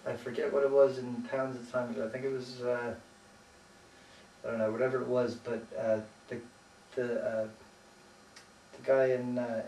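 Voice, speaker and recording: A man's voice: mid-range voice, a little mellow. An American man in casual conversation about his life, hesitant and rambling, often trailing off and swearing casually. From United States. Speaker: interviewee. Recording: roomy echo, distant mic, faint noise.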